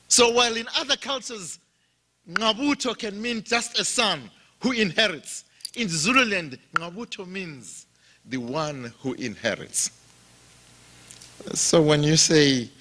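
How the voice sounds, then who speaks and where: A man from Zimbabwe preaching a sermon in a slow, emphatic style, his voice rising and dropping for effect. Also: fairly high pitch, sharp tone, a little hiss or hum.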